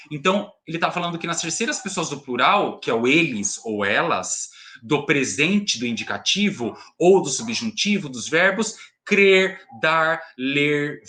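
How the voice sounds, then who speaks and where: A man's voice: a little high, pushed and bright. A male teacher with a Brazilian Portuguese accent, explaining a lesson to students and checking in with frequent tag questions. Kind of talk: recorded remote class lesson.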